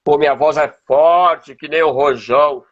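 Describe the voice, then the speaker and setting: A Brazilian man with a husky, gravelly voice, teaching informally and checking in with rhetorical questions, as a music teacher would. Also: on the high side, unhurried, a bit bright, highs cut off. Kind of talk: informal explanatory talk with demonstrations.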